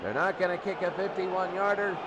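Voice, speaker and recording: A man doing excited football play-by-play in short clipped phrases, repeating downs and yardage. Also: high voice, fairly quick. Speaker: play-by-play announcer. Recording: noisy game broadcast, loud crowd. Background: loud crowd and heavy background noise.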